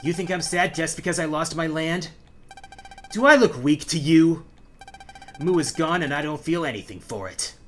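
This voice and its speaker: A woman's voice: sits low, animated, moderate pace, a bit bright, a little hiss or hum. A woman voicing an aloof, scornful teenage loner boy in a game story, with a curt, cold, dismissive manner. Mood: defiant.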